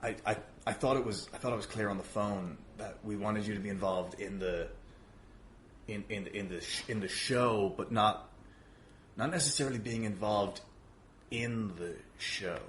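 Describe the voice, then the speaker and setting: A man's voice: lowish voice, normal speed, a bit bright, a little hiss or hum. A man as a podcast guest, apologetically and hesitantly placating someone in a comic argument. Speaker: podcast guest, wrestling show promoter. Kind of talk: improvised comedic argument on a podcast.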